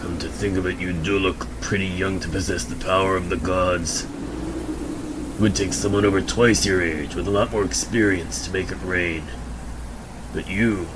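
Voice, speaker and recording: A man's voice: low-pitched, fairly even intonation, background noise, lightly acted. A man playing a suspicious, desperate backwoods drifter with a folksy, accusing manner in an amateur radio drama. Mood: doubtful. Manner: folksy, accusing, drawn-out taunting.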